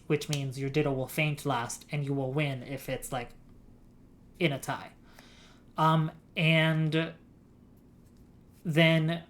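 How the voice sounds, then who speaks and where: A woman streaming a game, explaining game mechanics in a rambling, giggly way. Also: deep voice. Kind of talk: casual gameplay stream chat.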